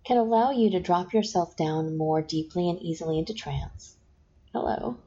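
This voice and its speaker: A woman hypnotist talks the listener down into trance with slow, soft, repeated suggestions. Her voice sits low and mellow. The recording is dull and lo-fi, with a faint hiss underneath. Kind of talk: guided hypnosis session. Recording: dull lo-fi sound with faint noise.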